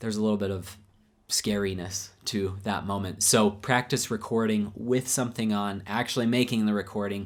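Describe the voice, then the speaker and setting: The voice is delivered in a monotone, flat intonation on a very clean recording with a silent background. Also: man. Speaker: piano teacher and video creator. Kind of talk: tutorial. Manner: fast.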